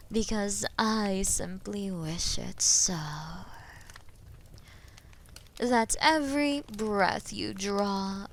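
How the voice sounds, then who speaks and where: A woman playing a haughty, menacing female dragon in an audio roleplay, imperious and mocking, with a breathy voice that often drops into whispers. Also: mid-range voice, slight background noise. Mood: cold dominance. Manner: imperious, mocking, slow and deliberate. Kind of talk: scripted audio roleplay addressed to listener.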